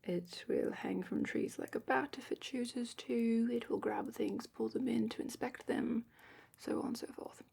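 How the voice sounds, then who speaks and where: Woman acting as gentle female dragon keeper, soft ASMR roleplay, whispery, mellow, creaky, careful explanations. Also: on the high side, fairly even intonation, exaggerated voice. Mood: hushed, informative. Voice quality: breathy, whispery. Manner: hushed, unhurried, careful explaining.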